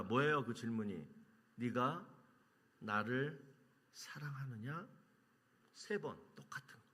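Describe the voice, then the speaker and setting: A man preaching a sermon as pastor, quizzing the congregation and answering his own questions, moving between loud emphasis and hushed lines. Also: mid-range voice. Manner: asks the congregation questions and answers them himself.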